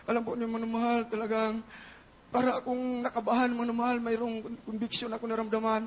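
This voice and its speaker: A middle-aged man giving a church testimony with fervent, repeated hallelujahs and frequent shouting. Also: very high-pitched, completely flat delivery, brisk, a little hiss or hum. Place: large church hall.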